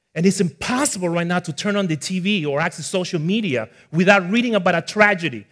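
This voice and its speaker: In an American accent, a man speaks at a fairly quick pace and a high pitch with lively intonation, on a very clean recording with a silent background. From Ecuador. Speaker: pastor. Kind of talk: sermon. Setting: church.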